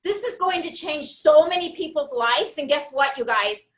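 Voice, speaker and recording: A woman giving a loud, bubbly pep talk to people on a call, gushing and repeating herself. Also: high-pitched, expressive, normal speed, low-quality recording. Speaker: guest speaker, network member. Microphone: call audio.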